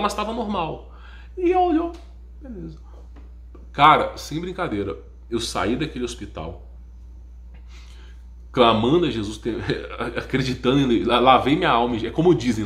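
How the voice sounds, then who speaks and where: A man's voice: medium pitch, reverberant. A man hosting his own channel, telling an emotional personal testimony, acting out what others said and stressing that he is not joking. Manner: animated storyteller who acts out what others said; keeps stressing "no joke" and checking in with listeners. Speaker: YouTube channel host.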